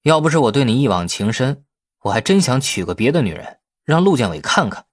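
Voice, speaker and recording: A man's voice: mid-range voice, big pitch swings, brisk, no room sound, clean studio sound. A man voicing a cocky, teasing young businessman in an audiobook, glib and mock-innocent.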